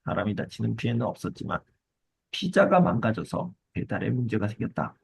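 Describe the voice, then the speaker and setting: A man's voice: fairly low pitch, big pitch swings, fairly quick, gravelly, breathy edge, no room sound, rough recording. A man teaching a Korean exam-prep lesson, explaining step by step, repeating key words and asking check questions.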